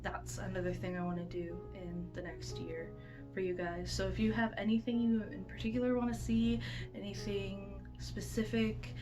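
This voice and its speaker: A woman's voice: medium pitch, little pitch movement, normal speed. A young woman in her twenties, stuffed up with a cold, chatting casually about her plans at home, rambling with many ums and restarts. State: congested with a cold. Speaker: classics vlogger. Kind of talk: casual vlog chat. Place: home room with bookshelves. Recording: music playing loudly behind.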